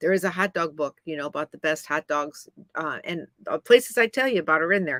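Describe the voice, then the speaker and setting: In a very clean recording with a silent background and a dry, close sound with no echo, a woman with an unremarkable speaking voice talks fairly quickly with lively intonation. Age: 60s. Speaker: RV traveler vlogger. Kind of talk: live stream chat. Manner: casual, chatty.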